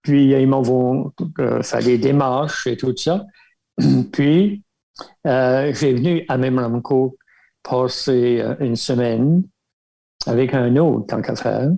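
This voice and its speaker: The audio is poor, but the voice belongs to an older Acadian man from Baie Sainte-Marie, Nova Scotia, a religious brother appearing as a guest in a casual storytelling interview. Speaking Baie Sainte-Marie Acadian French in a gravelly, mellow, mid-range voice, he reminisces slowly and easily, breaking his sentences with fillers and light chuckles.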